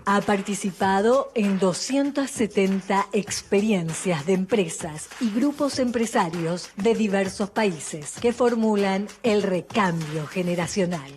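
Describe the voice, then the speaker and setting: A woman's voice: mid-range voice, darkish tone, slight background noise. A woman presenter reading a formal introduction of a conference speaker. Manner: reads a formal biography. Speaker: event presenter.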